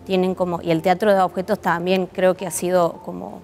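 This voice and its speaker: A woman's voice: fairly low pitch, flat delivery, brisk, darkish tone, a little hiss or hum. Reflective woman with a Córdoba Argentine accent. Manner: reflective, searching for words, rephrasing. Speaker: interviewed puppet theatre artist. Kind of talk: conversational interview answers.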